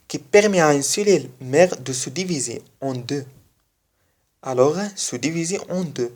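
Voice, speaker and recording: A speaker whose first language is not French, giving a biology lesson online and repeating key phrases slowly for emphasis. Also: mid-range voice, a little mellow. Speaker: biology video teacher.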